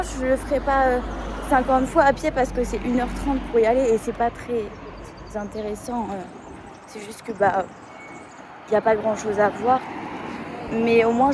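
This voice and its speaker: A young woman vlogging casually as she walks through city streets, chatty and rambling as she thinks aloud. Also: on the high side. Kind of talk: casual travel vlog while walking. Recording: street noise, passing traffic. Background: urban street ambience with vehicles.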